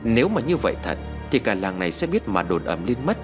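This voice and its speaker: A man reading a ghost story aloud in a dramatic, expressive way. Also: lowish voice, fast talker. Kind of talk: scripted story narration. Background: faint music.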